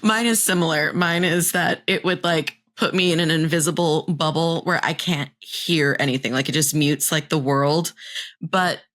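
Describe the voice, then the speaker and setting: A woman with a fairly low voice hosts a podcast in casual chat. She talks in a frank, playful way and swears freely. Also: normal speed, a bit bright. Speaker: podcast host.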